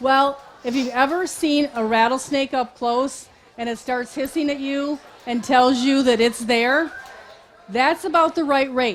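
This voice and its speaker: Against noticeable background noise, a woman with an American accent speaks fairly slowly at a high pitch. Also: fairly even intonation. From US South. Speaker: canning instructor. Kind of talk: live demonstration.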